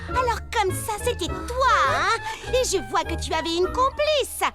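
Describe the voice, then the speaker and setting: A super high-pitched wannabe detective gal, big dramatic swoops, cartoon music loud behind. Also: female voice, expressive, a little slow. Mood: accusing. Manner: theatrical, dramatic exclamations. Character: Baba Hortensia, excitable young woman fancying herself a detective. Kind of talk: French cartoon dub.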